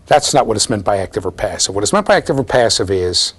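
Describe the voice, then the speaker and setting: Animated man lecturing a class. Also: fairly low pitch, fast talker, breathy edge. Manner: animated, explaining with frequent "okay?" and "right?" checks. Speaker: university lecturer. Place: classroom with bookshelves.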